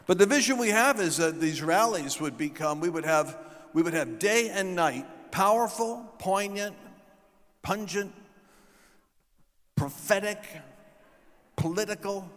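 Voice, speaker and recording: A middle-aged man preaches on a large stage, telling stories into a handheld mic. His voice sits high for a man. Now and then he rises into shouted proclamations, and a long reverb trails every word through the hall. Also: expressive, a little slow, long pauses. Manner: storytelling, building to shouted proclamations. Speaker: guest speaker.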